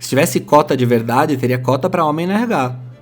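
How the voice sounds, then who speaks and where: A man speaking at a very fast pace with lively intonation, audible room echo around him. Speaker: philosophy and sociology teacher. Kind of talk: lecture. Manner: casual, conversational.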